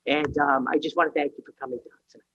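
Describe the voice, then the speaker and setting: Halting councilor with a dull, muffled sound. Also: male voice, a little high, fairly even intonation, fairly bright tone, slightly rough. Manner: halting, with frequent fillers. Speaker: city councilor. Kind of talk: council meeting remarks. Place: council chamber.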